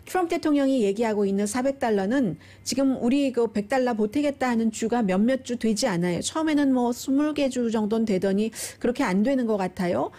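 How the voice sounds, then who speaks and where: A woman's voice: on the high side, mellow. A middle-aged woman presenting the news in a conversational commentary style, explaining at length and talking directly to her listeners.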